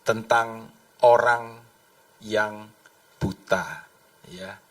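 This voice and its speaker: A man preaching a lively, conversational sermon, acting out voices in his stories. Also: lowish voice, drawn-out words, distant mic. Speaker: pastor.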